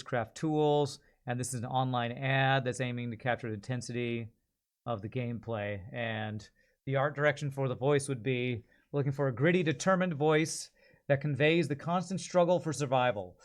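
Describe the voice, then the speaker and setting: A man hosts a stream in an informal, conversational style. He thinks aloud as he talks to viewers. His voice sits at a medium pitch. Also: smooth. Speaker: livestream host. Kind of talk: casual chat to stream viewers.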